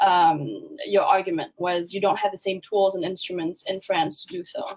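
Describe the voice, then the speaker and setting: A woman with a normal speaking voice and an American accent speaks at a moderate pace and a medium pitch. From Vietnam (Hanoi), schooled in the US. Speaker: author. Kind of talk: interview.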